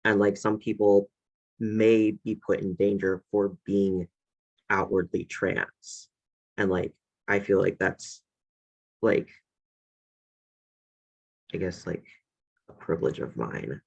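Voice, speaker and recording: A man's voice: deep voice, slow pace, gravelly, pauses often, dull audio. A young man on a student panel, speaking hesitantly with lots of filler words over a video call. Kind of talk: casual panel discussion.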